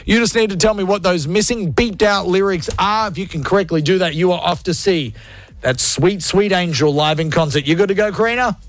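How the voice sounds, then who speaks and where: A man's voice: high-pitched, a little fast. A man hosting a radio show, hyped and jokey, poking fun at himself. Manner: hyped, jokey, self-mocking. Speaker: radio host. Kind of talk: energetic radio banter. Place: radio studio.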